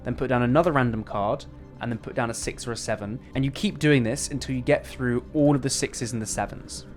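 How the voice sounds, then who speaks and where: A man's voice: mid-range voice, fairly quick, soft background music. A man presenting a casual step-by-step card magic tutorial in instructive, conversational magician patter.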